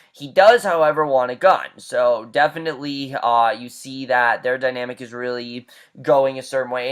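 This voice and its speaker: A man's voice: mid-range voice, fairly bright tone. A man giving a casual recap and review of a TV episode, chatty and full of fillers and restarts.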